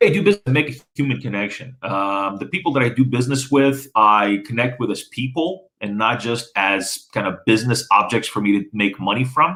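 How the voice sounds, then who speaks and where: With a Russian accent, a man speaks at a fairly quick pace. His tone is bright and sharp. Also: medium pitch for a man. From Soviet Union. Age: 40s. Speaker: business executive. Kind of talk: interview. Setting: live video call. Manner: halting, many fillers.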